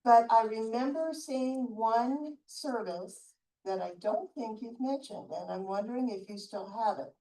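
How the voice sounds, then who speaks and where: A woman's voice: a little high, measured pace, dark tone. A woman on a community board asking a question politely and appreciatively. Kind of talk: public meeting question. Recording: roomy distant meeting-room mic.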